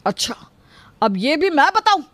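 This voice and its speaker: Woman voicing a irritated young husband, fairly high voice, bouncy delivery, dry sound. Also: brisk, dry recording, close to an everyday voice. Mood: angry. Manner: shouting, irritated. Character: hot-tempered young husband, office worker.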